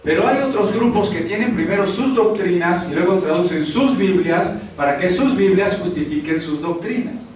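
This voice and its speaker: A man's voice: high-pitched, animated, moderate pace, few pauses, crowd noise. Man preaching in an echoey hall. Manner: conversational preaching with rhetorical questions. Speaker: pastor. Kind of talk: sermon. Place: church hall. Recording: echoey hall, far from the mic.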